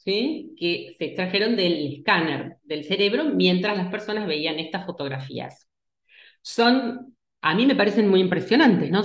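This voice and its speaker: Woman lecturing, roomy sound. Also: lowish voice. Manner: hesitant, many restarts and fillers, asks "¿sí?". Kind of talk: online lecture.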